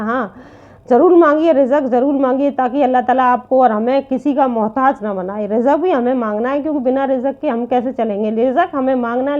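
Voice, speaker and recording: A woman's voice: on the high side, muffled recording. A woman giving an informal religious talk to online viewers, urging her listeners earnestly and repeating her points. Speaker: religious speaker.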